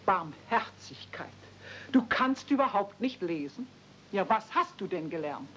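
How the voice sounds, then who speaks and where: Haughty housekeeper, swooping voice. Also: female voice, big pitch swings, a little slow, fairly bright tone. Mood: appalled. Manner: formal, stiff, imperious. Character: strict, haughty, easily scandalised housekeeper lady. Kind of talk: 1970s radio play acting. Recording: dull, rumbly, noisy old cassette transfer.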